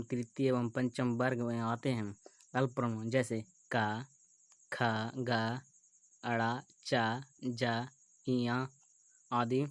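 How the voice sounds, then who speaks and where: A man explains grammar rules at an unhurried pace, repeating each term and example as he goes. His voice stays flat, with little rise or fall. The recording is dry and close, with no room sound. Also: medium pitch, dry recording. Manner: repeats terms and examples slowly, thinking aloud. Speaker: teacher. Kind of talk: Hindi grammar lesson over screen recording.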